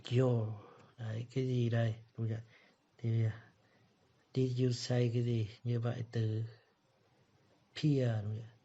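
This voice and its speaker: A man teaching English pronunciation, repeating each word slowly before explaining it. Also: medium pitch, little pitch movement, gravelly, mellow. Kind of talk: pronunciation lesson. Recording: dull lo-fi recording.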